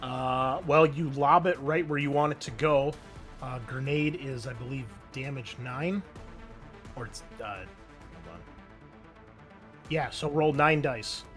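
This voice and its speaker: A man's voice: mid-range voice, fairly even intonation, unhurried, long pauses, a bit bright, soft background music. A man running an online tabletop roleplaying game, explaining things in a casual way. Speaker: game master.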